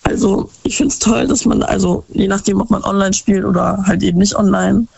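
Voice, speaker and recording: A woman from Baden-Württemberg, hoarse with flu, calling in to chat about games and sometimes searching for words. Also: mid-range voice, fairly even intonation, brisk, a little mellow, dry recording, muffled recording. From Baden-Württemberg, Germany. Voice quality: raspy, gravelly. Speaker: caller. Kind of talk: phone-in chat.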